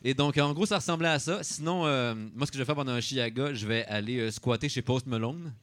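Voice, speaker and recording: A man with a Québécois accent giving a comedic radio chronicle in a deadpan, satirical way. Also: mid-range voice, brisk, no room sound. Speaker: radio columnist.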